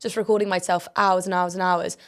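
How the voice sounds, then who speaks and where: A young woman telling her story in a relaxed interview chat. She talks casually, laughs often and keeps the flow loose and conversational. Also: lowish voice, fairly quick. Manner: chatty, laughs often, many likes. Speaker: singer guest.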